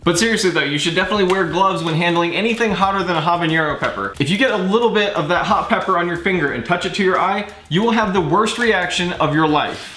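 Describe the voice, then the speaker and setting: A man's voice: sits high, fast, few pauses, pushed and bright. A man giving casual instructions to camera in a vlog, with a wry, joking manner. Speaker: challenge vlogger. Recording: roomy echo.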